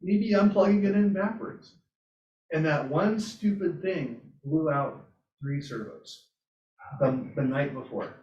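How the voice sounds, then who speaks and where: A man's voice: fairly high pitch, slow pace, a little mellow. Echoey, distant man telling project stories. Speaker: presenter at a robotics club meetup. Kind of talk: informal project presentation, anecdotal. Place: meeting room at a hybrid club meetup. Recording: echoey room, distant mic, muffled sound.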